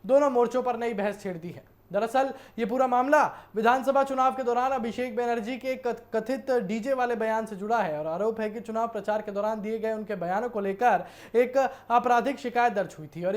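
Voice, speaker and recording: A woman news presenter with an Indian accent delivers a political news report. Her voice sits on the high side for a woman. The delivery is that of a narrated bulletin. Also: darkish tone.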